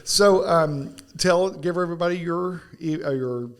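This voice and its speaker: A man's voice: on the high side, a little slow. A man hosting a podcast interview, chatting casually and joking, often trailing off and restarting sentences. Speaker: podcast host.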